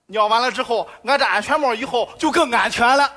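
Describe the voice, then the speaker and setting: A man's voice: very high-pitched, fairly quick, background noise. A man acting a humble migrant worker in a stage comedy sketch, speaking timidly and pleading.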